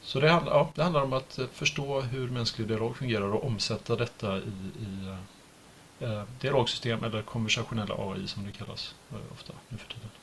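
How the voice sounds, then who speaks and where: A man's voice: mid-range voice, a bit bright, a little hiss or hum. A middle-aged man, a professor, explaining his research in a conversational interview. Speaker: computational linguistics professor, interview guest.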